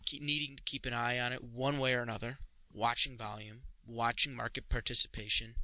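Sharp, very bright-voiced man in discussion. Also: mid-range voice, level tone, a little fast, dry recording, poor audio. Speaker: podcast co-commentator giving takeaways. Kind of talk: casual discussion.

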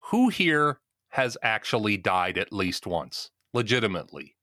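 A man hosting a podcast discussion, speaking in a measured, deliberate way and steering the questions. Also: lowish voice, sing-song, pushed and bright, dry recording, clean studio sound. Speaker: podcast host.

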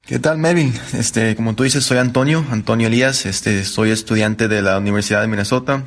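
A young man from Mexico in his twenties, a podcast guest talking in a relaxed way full of fillers. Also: lowish voice, a little fast. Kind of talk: casual interview.

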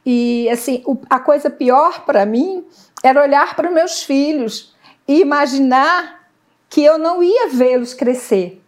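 A middle-aged woman giving an emotional faith testimony, earnest and halting, often searching for words. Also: high-pitched. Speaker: guest sharing testimony.

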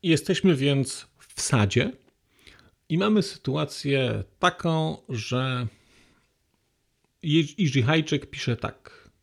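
An enthusiastic man speaks with a slightly high, gravelly voice about a novel he loves. He pauses now and then with hesitant fillers before reading passages aloud. His talk is warm and searching. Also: lively intonation. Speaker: book reviewer.

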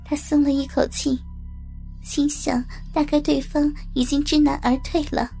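High-voiced woman narrating a story. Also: normal speed, creaky, faint music behind. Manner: steady, even storytelling.

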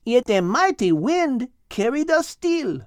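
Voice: high voice, very animated, slow pace, dry recording, clean studio sound, voice pushed up, heavily acted. A man voicing an earnest, grateful little male hummingbird telling of his travels with wonder in a storybook tale. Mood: awed, grateful.

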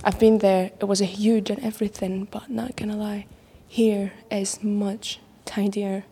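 A woman's voice: mid-range voice, little pitch movement, measured pace, dark tone, breathy edge. A young woman from Syria co-hosting a student podcast, chatting casually and searching for words with many fillers. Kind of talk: casual chat while exploring.

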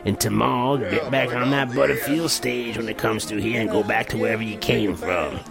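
An actor playing a gruff, dismissive sheriff in a western audio drama, with condescending, folksy put-downs. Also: male voice, mid-range voice, normal speed, natural voice. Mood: condescending, mocking. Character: gruff, dismissive Old West sheriff, poker-playing and sarcastic. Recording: music behind the voice.

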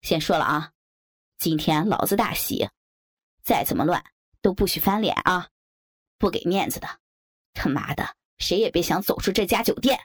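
A woman's voice: fairly low pitch, animated, moderate pace, pauses often, dry recording, clean studio sound, pitched below the performer's own voice. A woman playing a coarse, bullying groom. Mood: menacing. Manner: coarse, swaggering, swearing. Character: crude, bullying young groom, loud and threatening.

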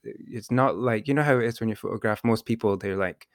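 Chatty podcast host, a lower-voiced man. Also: fairly quick, dry recording, clean studio sound. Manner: chatty, many ums and restarts. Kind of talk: podcast interview and sponsor read.

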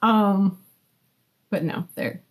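A woman's voice: mid-range voice, drawn-out words. Dry, teasing woman in her thirties. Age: 30s. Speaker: guest, host's wife. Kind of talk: casual interview chat.

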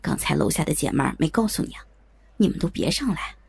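A woman voicing a gaunt, sickly old man who talks in a hushed, flustered, pleading way. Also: low voice, expressive, quick pace, gravelly, breathy edge, pitched below the performer's own voice, exaggerated voice.

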